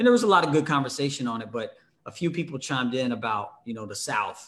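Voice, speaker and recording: Using a plain, everyday voice, a man of medium pitch talks at a fairly quick pace. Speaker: podcast host. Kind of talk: casual chat. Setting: video call.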